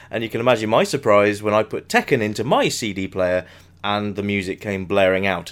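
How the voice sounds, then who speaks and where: Nothing is audible behind the voice in this very clean recording. The man's pitch is fairly low. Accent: English. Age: 30s. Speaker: podcast host and online retailer. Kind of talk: casual chat.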